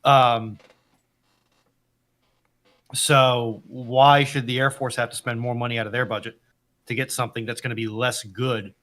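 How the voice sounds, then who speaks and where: A man's voice: mid-range voice, level tone, unhurried, long pauses, fairly bright tone. A man speaking as a panelist in a casual history discussion, building his argument in repeated phrases.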